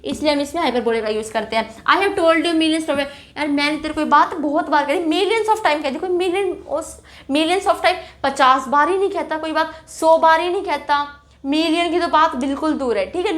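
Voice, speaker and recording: A woman's voice: high-pitched, fairly bright tone. A woman explaining English grammar in a casual, chatty classroom manner, often checking in with her listeners and asking questions. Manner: chatty, repeats "ठीक है" and rhetorical questions.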